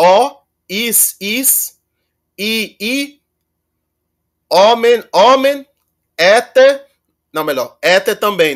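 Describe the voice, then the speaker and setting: A man teaching Greek in a casual online lesson, halting and self-correcting, reciting verb endings slowly. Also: high voice, a bit bright.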